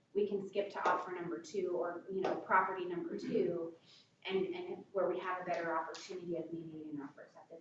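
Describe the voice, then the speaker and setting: A woman with a medium pitch talks at a very fast pace, her loudness swinging widely while her intonation stays fairly even, over noticeable background noise. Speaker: real estate trainer. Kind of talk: training workshop.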